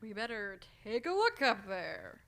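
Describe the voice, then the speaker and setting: A woman's voice: medium pitch, very animated, measured pace, a bit bright, a little hiss or hum. A woman playing a plain-spoken New England villager in an old-time radio drama, folksy and easily startled. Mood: puzzled, indignant.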